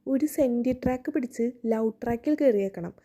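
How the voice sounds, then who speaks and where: A woman voicing an excitable, teasing young man who meddles and jokes. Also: a little high, normal speed, natural voice.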